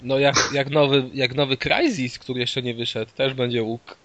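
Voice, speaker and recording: A man's voice: medium pitch, steady tone, moderate pace, fairly bright tone, no echo. Man, casual gaming chat with friends, swears offhand, dry close sound. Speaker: gaming commentator. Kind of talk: casual chat watching game trailers. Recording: dry, slightly dull sound.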